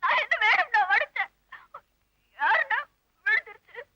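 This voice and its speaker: A woman's voice: extremely high pitch, very animated, moderate pace, bright, forceful tone, dry recording, lo-fi sound, full character voice. An actress playing a grown young woman with a childlike mind, whining and complaining to her grandmother in a 1980s film. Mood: whiny.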